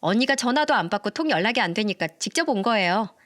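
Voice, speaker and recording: A woman's voice: medium pitch, lively intonation, fast, natural voice. Woman doing a shrieking greedy young woman. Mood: fake friendly. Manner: shouting and swearing.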